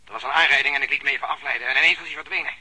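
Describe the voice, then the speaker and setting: An actor playing a keen police detective on a suspect's tail, reporting in urgent, clipped phrases in a Dutch radio drama. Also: male voice, medium pitch, rapid-fire, pushed and bright, husky, poor audio. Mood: urgent, uneasy.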